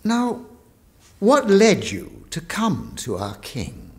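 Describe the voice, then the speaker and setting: A courteous professor examining someone in a medieval audio drama. His voice is high for a man and very animated, with slow, formal, probing delivery. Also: exaggerated voice.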